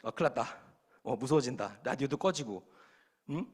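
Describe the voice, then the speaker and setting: A man's voice: medium pitch, a little fast, slightly rough. A middle-aged male pastor telling a story in his sermon to young adults, acting out the dialogue as he goes. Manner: lively, animated storytelling with acted-out dialogue.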